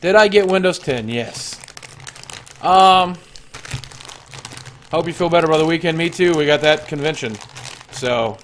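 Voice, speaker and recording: A man casually chatting on a live stream, reading chat and adding up costs aloud with many pauses and fillers while chewing cough drops. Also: fairly high pitch, a little hiss or hum.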